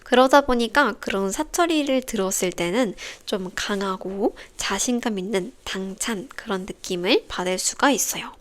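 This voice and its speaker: A young woman hosting a podcast for language learners, explaining in a calm, clear, carefully paced scripted way. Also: medium pitch, moderate pace, hardly any pauses. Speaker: Korean teacher podcast host.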